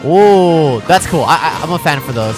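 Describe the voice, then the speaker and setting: A man giving casual reaction commentary on a game trailer, excitable, with frequent exclamations and laughs. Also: a little high, moderate pace, over loud music.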